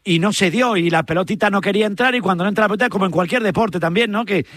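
A man's voice: high-pitched, rapid-fire, fairly bright tone, slight background noise. A man from Spain hosting a radio sports interview, chatty and emphatic.

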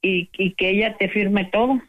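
An older woman with a Mexican accent, a grandmother chatting casually on a phone call, affectionate and quick to laugh. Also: medium pitch, fairly even intonation.

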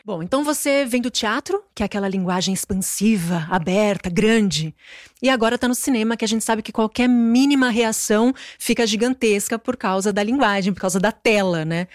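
A woman's voice: medium pitch, moderate pace, dry recording. Tv host lady asking questions, upbeat, admiring, dry close sound. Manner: enthusiastic, admiring. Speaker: interviewer, TV presenter. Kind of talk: TV interview questions.

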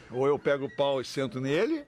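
A man's voice: medium pitch, big pitch swings, normal speed, darkish tone, faint music behind. A man hosting a radio show, joking around and reading a listener's email aloud. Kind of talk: casual banter on a radio show.

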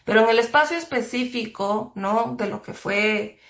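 A woman's voice: fairly high pitch, vocal fry, fairly bright tone. Woman journalist from Ecuador, thoughtful interview answers, recorded in a roomy space. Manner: thoughtful, measured, with frequent fillers and restarts. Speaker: journalist guest. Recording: roomy echo.

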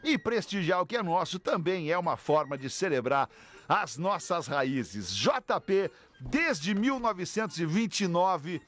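Slow-paced man reading a radio ad. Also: sits high, sing-song. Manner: slow, warm promotional delivery. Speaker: commercial announcer. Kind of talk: read radio ad.

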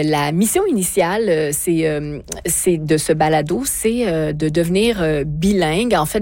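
A woman's voice: fairly low pitch, a little mellow. A woman hosting a radio morning show, introducing and questioning a guest in a conversational way. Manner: conversational, some fillers. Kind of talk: radio interview.

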